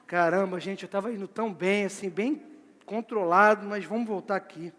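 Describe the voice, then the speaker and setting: A male preacher with a notably high voice delivers a live sermon. He is lively and theatrical and acts out scenes as he goes. The sound echoes with a long reverb through a church hall. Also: moderate pace.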